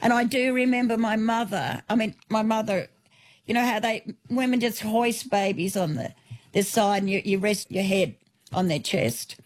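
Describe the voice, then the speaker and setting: A woman's voice: medium pitch, normal speed. Older Australian woman telling stories. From New South Wales, Australia. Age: 60s. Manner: warm storytelling, vivid lists, some restarts. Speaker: author and guest. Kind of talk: radio interview.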